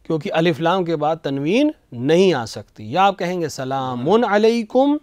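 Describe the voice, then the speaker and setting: A man, a religious scholar on a studio TV show, explaining patiently and slowly reciting phrases to show the right pronunciation. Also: a little high, animated, darkish tone, dry recording. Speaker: religious scholar answering questions. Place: television studio.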